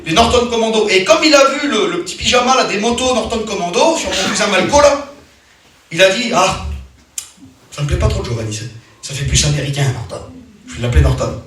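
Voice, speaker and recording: A man's voice: high voice, very animated, a little fast, a bit bright. A man preaching a sermon as a personal story, emphatic and repetitive, often restarting his sentences. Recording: very echoey hall, mic far off.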